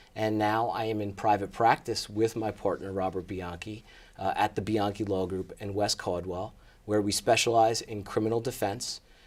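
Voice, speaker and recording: Delivered at a moderate pace with an American accent, the speech has monotone, flat intonation. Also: man, very clean recording, silent background. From New Jersey, Morris County. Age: 30s. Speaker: criminal defense attorney. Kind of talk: interview.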